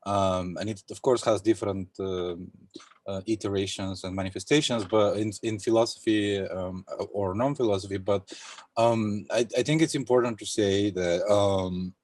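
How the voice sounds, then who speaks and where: A young man from Bulgaria speaking thoughtfully in an academic round-table discussion on a video call, pausing often with fillers. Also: lowish voice, fairly even intonation, darkish tone, no room sound. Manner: thoughtful, hesitant with many fillers. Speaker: panel speaker.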